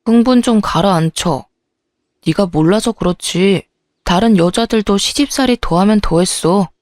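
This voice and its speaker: A woman's voice: fairly low pitch, darkish tone, dry recording, studio quality, voice pushed down, natural voice. A woman voicing a selfish, dismissive young husband in a radio-style story reading, talking curtly and brushing things off. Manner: brushing off, curt.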